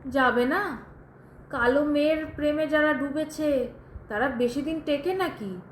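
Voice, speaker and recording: Actress as a high-voiced, bitterly ironic widow. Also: female voice, measured pace. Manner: pointed, ironic, dramatic storytelling. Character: bitter, sardonic widowed woman telling her tragic story. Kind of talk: Bengali audio drama acting. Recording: roomy echo, faint background noise.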